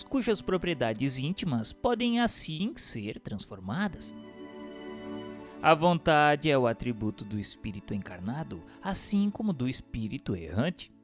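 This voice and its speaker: A Brazilian man reading a scripted text as a narrator, in a formal, measured, didactic manner. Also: medium pitch. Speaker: narrator reading a religious treatise. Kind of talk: scripted audiobook narration for radio. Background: instrumental music.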